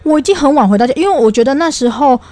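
A young woman chats as a podcast co-host, rattling off a story at a quick clip. Her voice sits on the higher side, and she sounds animated and fed up. The sound is close and dry. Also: no room sound. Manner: animated, swearing, exasperated retelling. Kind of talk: casual storytelling chat.

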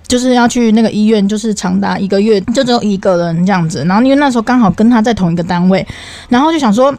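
A young woman, co-hosting a podcast and telling stories in an animated, exasperated way, with some swearing. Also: medium pitch, fast, no room sound. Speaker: podcast co-host. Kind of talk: casual storytelling chat.

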